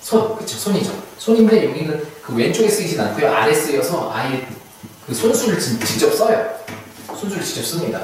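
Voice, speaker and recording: A man's voice: medium pitch, darkish tone. A male instructor giving a recorded lecture, chatty, who keeps asking his students questions and then answering them himself. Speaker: hanja certification instructor. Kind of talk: online video lecture. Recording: echoey room, mic far off, faint hiss.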